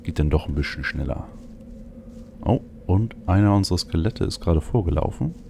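Deep, creaky-voiced male let's player. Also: animated, moderate pace, mellow, slight background noise. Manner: thinks aloud, speaks as "we". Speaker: let's play host. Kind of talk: casual video game commentary. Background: faint game ambience.

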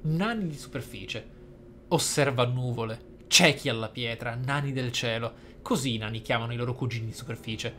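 A man's voice: mid-range voice, a little fast, sharp tone. A man hosting a role-play gaming video, commenting and reading in a reflective, explanatory manner. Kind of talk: role-play game commentary, some reading aloud of in-game text. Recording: faint noise and game ambience.

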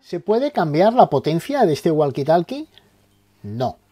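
A man's voice: on the high side, sing-song, unhurried, heavy background noise. A man from presenting a step-by-step tutorial in a didactic way, posing questions and answering them. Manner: didactic, explains terms and poses questions then answers them. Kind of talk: step-by-step instructional narration.

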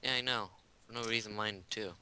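A man's voice: fairly low pitch, fairly even intonation, a little fast, sharp tone, clean tone. A man playing a game alongside a friend, joking and teasing in casual chat. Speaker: co-player.

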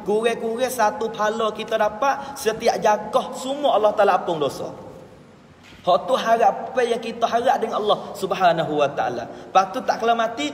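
A man with a Patani Malay accent preaching a sermon as a religious teacher, dropping now and then into low murmured asides. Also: slight background noise. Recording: echoey hall with faint ambience.

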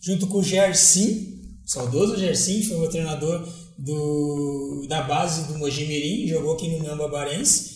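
A man's voice: a little high, steady tone, measured pace, a little mellow, distant mic, soft background music. Earnest gaúcho man in an echoey studio. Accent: Gaúcho Brazilian Portuguese. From Porto Alegre, southern Brazil. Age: 40s. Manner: reflective, earnest, with many restarts. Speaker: guest, former footballer. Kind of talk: relaxed interview storytelling. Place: small studio with green set. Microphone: lapel mic. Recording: very echoey room, voice heard from afar.

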